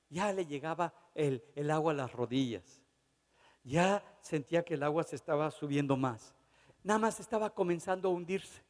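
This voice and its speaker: A man's voice: a little high, darkish tone, in a large hall. A man preaching a fervent sermon, building to emphatic exhortations.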